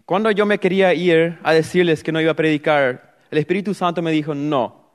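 A man's voice: a little high, steady tone, fast talker, in a large hall. A young man with a Paraguayan Spanish accent giving an earnest sermon testimony, acting out his inner thoughts as he tells his story. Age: young adult. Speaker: preacher.

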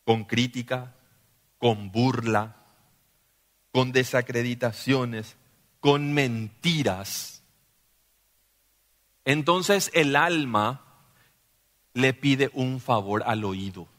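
Man, pastor, sermon, bright ringing voice, long hall reverb. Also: medium pitch, drawn-out words, long pauses. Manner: animated preaching, often asks listeners "¿sí?".

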